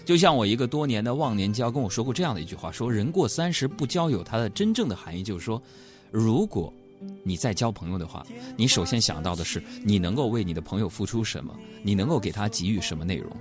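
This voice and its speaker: Jokey and teasing, a host with a Northeastern Chinese accent runs through a comic storytelling monologue, suddenly switching into high-pitched mock voices. He sounds animated and quick, with music playing behind him.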